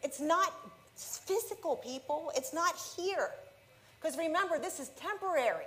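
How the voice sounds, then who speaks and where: Long, frequent pauses break up an animated voice moving at a moderate pace with very wide pitch swings. There is noticeable background noise. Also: woman, extremely high pitch for a woman. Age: 40s. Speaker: pastor. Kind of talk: sermon.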